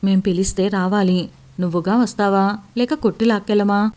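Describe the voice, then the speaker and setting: A woman's voice: mid-range voice, steady tone, brisk, darkish tone, natural voice. A woman narrator voicing a stern policewoman giving curt orders. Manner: commanding.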